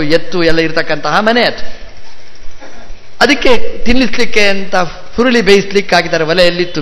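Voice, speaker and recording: A monk giving a devotional sermon, telling a sacred story with rhetorical questions and wordplay. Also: male voice, sits high, a bit bright. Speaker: monk giving a religious discourse. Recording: live talk with long hall reverb.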